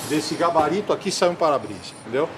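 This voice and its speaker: A man's voice: fairly high pitch, expressive, quick pace. A middle-aged man with a São Paulo accent, talking bluntly and in slang in a car workshop. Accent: São Paulo Brazilian. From São Paulo, Brazil. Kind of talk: casual interview on the spot. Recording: echoey workshop with clear noise.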